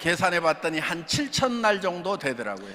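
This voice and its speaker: A man's high, raised, projected voice at a fairly slow pace, noticeable background noise. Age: 60s. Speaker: company founder and speaker. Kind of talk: speech to audience with consecutive interpretation.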